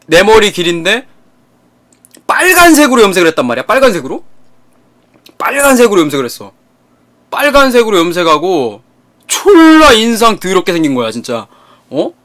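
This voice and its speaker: A young man streamer casually telling a story to his viewers, animated and profane, repeating himself often. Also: high voice. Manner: animated, repetitive, profane retelling.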